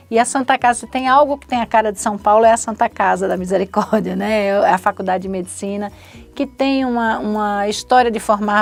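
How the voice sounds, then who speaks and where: A woman speaks with a Pernambuco accent at a moderate pace with hardly any pauses. Her medium pitch holds fairly even intonation while her loudness swings widely. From Pernambuco, northeast Brazil. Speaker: pediatrician and public health doctor, medical professor. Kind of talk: interview testimony.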